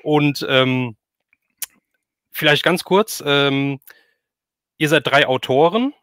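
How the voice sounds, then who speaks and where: A man's voice: fairly high pitch, slow pace, a bit bright, dry recording, studio quality. A man speaking as a livestream host in a casual, chatty and enthusiastic way while interviewing a guest.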